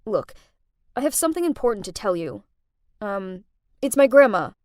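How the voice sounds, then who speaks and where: A woman voicing a young man, a boyfriend who turns gruff and cold, hesitant at first and then curt. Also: mid-range voice, sing-song, normal speed, darkish tone, no echo, studio quality, lightly acted.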